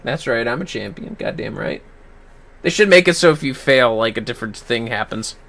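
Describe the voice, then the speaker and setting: A man's voice: medium pitch, lively intonation, normal speed, gravelly, a bit bright. A man livestreaming a game with casual, cocky, sweary commentary. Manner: sweary, cocky trash talk.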